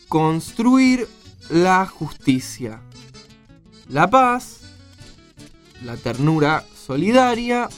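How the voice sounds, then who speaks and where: An actor playing an earnest, eager and rather sleepy Argentine helper in a radio drama, with a gentle, deliberate way of speaking. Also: male voice, high-pitched, exaggerated voice.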